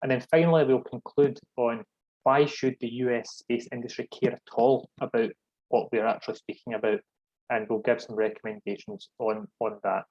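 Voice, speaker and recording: A man with a thick, broad Scottish accent giving a deliberate, explanatory webinar presentation. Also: medium pitch, fairly even intonation, darkish tone. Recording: dull, lo-fi online call audio.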